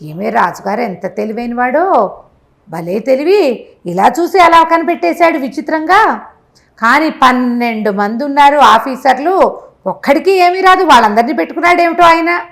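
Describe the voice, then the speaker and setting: A woman acts out a poor, simple farmer from a folk tale, earnest and easily amazed. The voice rises high as he chats away in naive wonder. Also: animated, normal speed, vocal fry. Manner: chatty, wondering.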